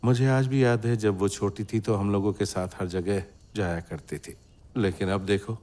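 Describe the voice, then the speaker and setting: A man dubbing a mild, middle-aged father who tries to calm his family. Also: on the low side, normal speed, natural voice. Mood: wistful. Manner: mild and placating. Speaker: dubbing voice actor. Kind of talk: Hindi dub of a drama series.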